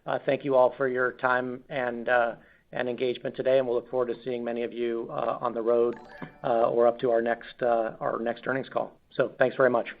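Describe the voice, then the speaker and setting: Male executive, creaky and monotone, formal conference call manner, thin telephone sound. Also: medium pitch, fairly quick. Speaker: company executive closing the call. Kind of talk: corporate call sign-off. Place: conference call over phone. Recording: tinny phone conference line.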